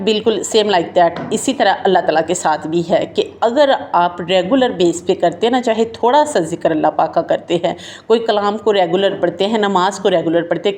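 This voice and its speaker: A woman's voice: mid-range voice, a little mellow. Woman chatting to her viewers, casual heartfelt talk, loose and conversational, calls them sisters. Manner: conversational, often adds the filler "jo hai na"; addresses listeners as her sisters and friends. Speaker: motivational talk host.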